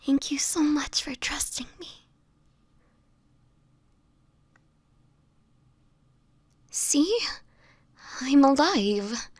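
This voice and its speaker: A woman playing a sickly, gentle homeless woman turning vampire in an intimate audio roleplay, with a whispery, hesitant delivery. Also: sits high, dry recording. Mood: pleading, tearful. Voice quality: breathy, whispery. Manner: halting, hesitant, fragile delivery.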